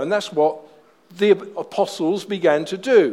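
A man talks at a moderate pace in a West Country accent. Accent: West Country English (Bristol). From Bristol, south-west England. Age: 60s. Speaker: pastor. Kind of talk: sermon. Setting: church.

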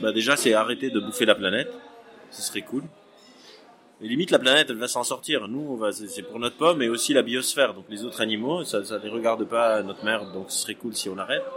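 A man at medium pitch speaks at a fairly quick pace with ordinary pitch variation and big swings in loudness, over noticeable background noise. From Lebanon. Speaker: neuroscientist and clinical psychologist. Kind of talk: casual interview.

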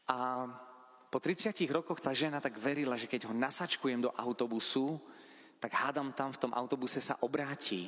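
On a very clean recording with a silent background, a man with an ordinary speaking voice talks at a moderate pace and medium pitch, with ordinary pitch variation. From Slovakia, Spiš region. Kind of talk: lecture to pilgrims. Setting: church, broadcast on radio.

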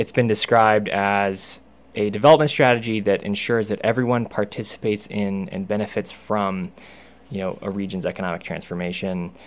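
At a fairly quick pace, a man with an American accent and a normal speaking voice talks at a fairly low pitch with fairly even intonation. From Utah, Salt Lake City. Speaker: county business development official. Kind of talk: radio interview.

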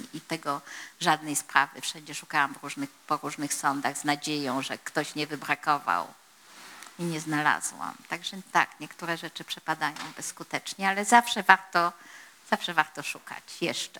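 A woman speaks with a very deep, low pitch and ordinary pitch variation at a moderate pace. Her loudness swings widely. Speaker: author, journalist. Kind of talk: interview at book launch. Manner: halting.

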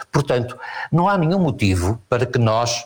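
A man speaks at a fairly slow pace in a medium-pitched, somewhat breathy voice. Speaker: politician and constitutional lawyer. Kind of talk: political debate. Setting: live-streamed studio debate. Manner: halting.

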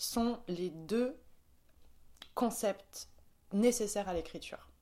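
A woman talks with lively intonation. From Paris, France. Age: 20s. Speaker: author and film director. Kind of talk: interview. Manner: hesitant, many fillers.

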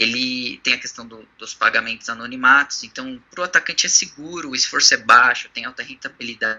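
Fairly quick, fairly even speech from a man at a medium pitch, with noticeable background noise. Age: 20s. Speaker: information security specialist. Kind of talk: casual chat. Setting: remote recording.

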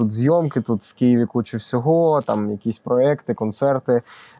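A man speaks at a moderate pace in a dark, mellow tone at medium pitch. His pitch variation is ordinary, and the sound is dry and close with no echo. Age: young. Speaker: singer-songwriter and vocal teacher. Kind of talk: interview.

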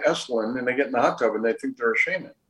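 A man's very fast speech in an American accent. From US South, Louisiana. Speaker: ethnobotanist. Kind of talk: interview.

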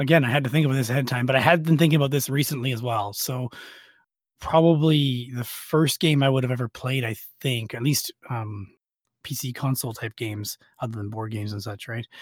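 In a very clean recording with a silent background, a man talks at a fairly quick pace. He has a plain, everyday voice with a medium pitch and ordinary pitch variation. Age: 30s. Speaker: gamer and content creator. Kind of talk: casual interview.

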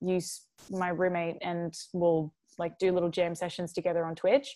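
Speaking in an Australian accent, a woman keeps her pitch at a medium level. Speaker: singer-songwriter. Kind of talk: casual interview. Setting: remote call. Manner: animated.

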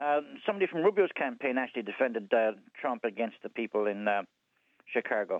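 Very fast, lively speech in a Newfoundland accent. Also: man, medium pitch for a man. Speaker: caller. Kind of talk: call-in. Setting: phone call.

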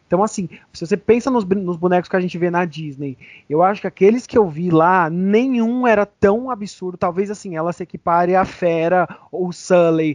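Recorded with a dry, close sound and no echo, a man speaks at a high pitch with ordinary pitch variation. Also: moderate pace. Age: 30s. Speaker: podcast guest. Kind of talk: casual chat.

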